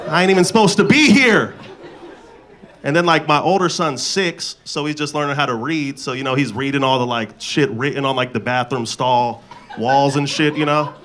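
Holding a handheld microphone before a laughing club crowd, a thirtysomething comedian rambles through a profane, slangy set. He speaks at a normal pace in a mid-range, fairly bright voice, with slight background noise.

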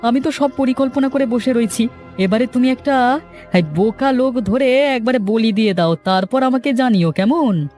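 A man's voice: very high voice, moderate pace, a little mellow, soft background music. A man voicing a greedy, scheming cartoon land broker, pushy and threatening. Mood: gloating, scheming. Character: scheming, greedy male land broker who bullies villagers. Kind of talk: dramatic cartoon voice acting.

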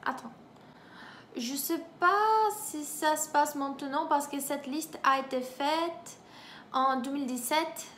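Brief: young woman, high voice, chatty teacher tone, echoey room. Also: slow pace, a bit bright, slight background noise. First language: Portuguese. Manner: chatty, laughs often, reads from a list and comments. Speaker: language teacher, YouTuber. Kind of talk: casual teaching monologue.

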